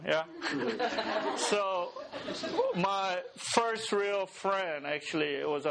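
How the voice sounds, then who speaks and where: A man's voice: sits high, gravelly, a bit bright, low-quality recording. A middle-aged man who was born in Korea and raised in the US, giving a chatty, laughing talk to an audience and often checking in with the crowd. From Korea, raised in the USA. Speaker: speaker at a mission gathering.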